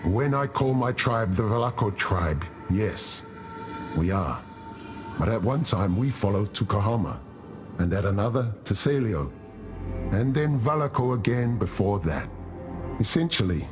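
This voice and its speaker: A boastful warlord of a tribal afterlife, with a low male voice. He tells his tales with jovial, teasing swagger, as a fighter proud of his prime. Music plays clearly behind him. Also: lively intonation, a little slow. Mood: wry, musing. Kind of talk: video game character dialogue. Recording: music under the voice.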